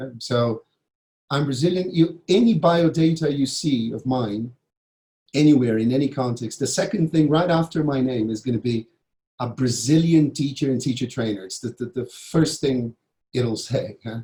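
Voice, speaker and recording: Somewhat breathy, a man speaks at a medium pitch in a dark, mellow tone. He keeps a moderate pace with ordinary pitch variation. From Brazil. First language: Portuguese. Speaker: English teacher and teacher trainer. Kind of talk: conference talk Q&A. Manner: hesitant, with fillers.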